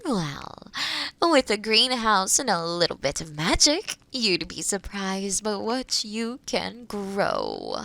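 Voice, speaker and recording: A woman playing a kind, gently teasing forest witch in an intimate audio roleplay, speaking softly and thoughtfully with hums and pauses. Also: medium pitch, creaky, exaggerated voice. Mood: warm, hospitable.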